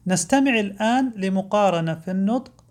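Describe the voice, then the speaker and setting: A man narrating a scripted language lesson in a clear, explanatory way. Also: high-pitched, animated, fairly quick. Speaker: language teacher.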